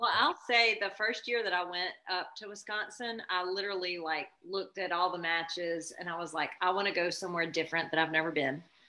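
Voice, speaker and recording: A woman with a Southern US accent, talking with hardly any pauses. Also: medium pitch for a woman, ordinary pitch variation. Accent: Southern drawl. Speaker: podcast host, competitive shooter. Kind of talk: casual chat. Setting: live podcast.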